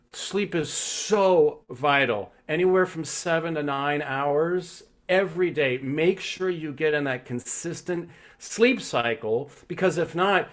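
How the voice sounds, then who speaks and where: Slow-paced male vocal coach. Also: a little high, fairly bright tone. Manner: coaching tone, frequent "right?" check-ins. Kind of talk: live online masterclass teaching.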